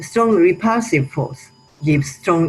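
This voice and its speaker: A woman with a Japanese accent, fairly low in pitch, speaking at a fairly slow pace with lively intonation. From Japan, Kobe. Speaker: physics professor. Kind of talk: lecture. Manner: halting.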